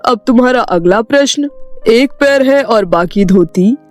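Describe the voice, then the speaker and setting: A woman voicing a magical talking house, a formal and commanding riddle-setting gatekeeper in an animated story. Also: a little high, unhurried. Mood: riddling. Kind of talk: animated Hindi moral story acting. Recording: music behind the voice.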